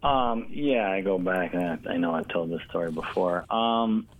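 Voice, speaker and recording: A man's voice: low voice, normal speed. An American man talking casually and earnestly as an interview guest, rambling a little, over a tinny, narrow line. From United States. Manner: rambling, earnest, often says "you know". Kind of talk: casual conversation.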